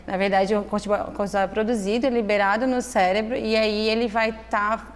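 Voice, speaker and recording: A woman's voice: mid-range voice, little pitch movement, brisk, long reverb tail. A woman appearing as a guest expert on a talk show, explaining child development in a thoughtful way with many tag questions.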